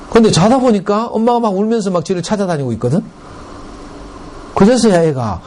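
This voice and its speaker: A middle-aged man with a Gyeongsang Korean accent giving a parent education lecture in a school room, telling stories with lively, dialect-colored asides. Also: fairly high pitch, slight background noise. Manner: lively storytelling with dialect and acted quotes.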